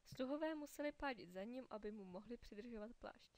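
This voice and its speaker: A woman narrates a children's fairy tale in a clear, steady storytelling manner. Her voice sits somewhat high and she reads with calm, even pacing.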